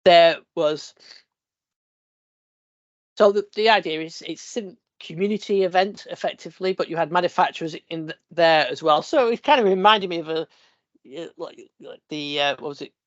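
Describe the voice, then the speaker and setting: A man's voice: a little high, normal speed, no echo. Brief: man, podcast host fighting a cold, sniffly, rambling with fillers, dull dry lo-fi sound. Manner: rambling, many fillers and restarts. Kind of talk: casual tech podcast chat.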